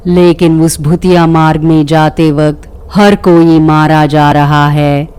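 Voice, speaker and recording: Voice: mid-range voice, darkish tone, clean tone, lightly acted. Narrator as a worried village headman.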